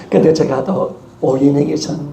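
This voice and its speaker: Man, pastor, Gyeongsang accent, sermon, gravelly voice, lively swinging pitch. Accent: Gyeongsang Korean. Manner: emphatic, calls for congregation response. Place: church sanctuary. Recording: echoey church hall with background noise.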